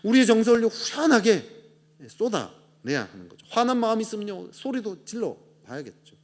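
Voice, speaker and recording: Emphatic man preaching with lively pitch. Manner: emphatic preaching, swinging between loud urgent rises and low quiet drops. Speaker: pastor. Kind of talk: sermon.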